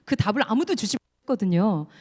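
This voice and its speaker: A woman's voice: mid-range voice, animated, quick pace. A woman deaconess giving an earnest testimony sermon in a church, telling her story and leading the congregation in reading scripture. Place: church sanctuary. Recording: long church hall reverb.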